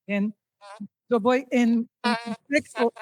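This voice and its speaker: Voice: mid-range voice, slow pace. A native Portuguese speaker with a Brazilian accent asking a question in Spanish during a video-call seminar, searching for words. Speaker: seminar participant.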